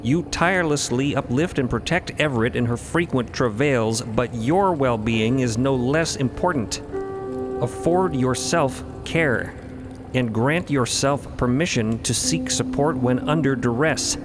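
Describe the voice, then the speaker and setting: A man playing a serene, courtly otherworldly guardian in an audio drama, speaking with formal, measured, benevolent solemnity. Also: medium pitch, music in the background, lightly acted. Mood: reverent, kind. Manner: formal, measured, ornate phrasing. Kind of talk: audio drama character acting.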